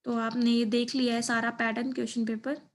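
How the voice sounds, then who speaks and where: High, even-toned young woman explaining. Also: brisk. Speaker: exam-prep video teacher. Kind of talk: informal explainer of an exam paper.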